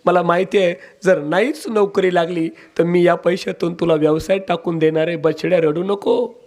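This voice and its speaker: Man doing a gentle rural father, consoling, high and soft. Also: fairly even intonation, normal speed. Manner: consoling, tender.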